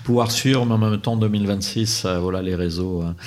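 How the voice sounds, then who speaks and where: A man's voice: on the low side, fairly quick, a little mellow. A man hosts a local radio slot in a loose, chatty way. He wanders through his announcements with frequent hesitations and restarts. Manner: hesitant, many fillers and restarts. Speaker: radio host. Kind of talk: casual radio chat.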